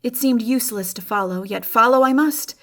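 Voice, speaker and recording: Woman, high voice, creaky edges, dramatic audiobook narration, measured and expressive.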